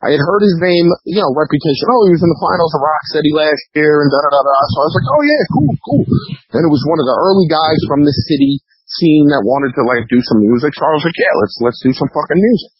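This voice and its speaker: A high-pitched man rants over a dull phone line. He is blunt and profane, repeats points for emphasis and swings his pitch around freely. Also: expressive, quick pace, husky, no echo. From New York, US. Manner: blunt, repeats himself, imitates others' remarks. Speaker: interview guest, underground rapper. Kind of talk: casual, profane phone interview rant. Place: phone call.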